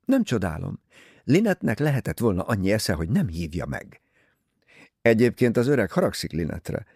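A man voicing a teasing, easygoing young English gentleman talking with his mother in an audiobook. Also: lowish voice, sing-song, husky, no echo, studio quality, full character voice. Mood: wry teasing. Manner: wry, teasing.

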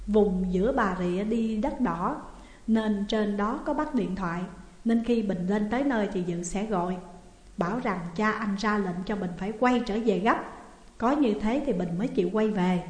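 A woman narrating a horror story in a measured, suspenseful way, recorded in an echoey room. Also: mid-range voice, a little mellow. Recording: echoey room with long reverb.

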